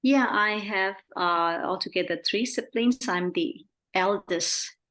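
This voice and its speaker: A middle-aged woman with a Burmese accent speaks slowly and gently, as a Buddhist nun answering interview questions. Her voice sits at a middle pitch, with small soft laughs between her phrases. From Burma.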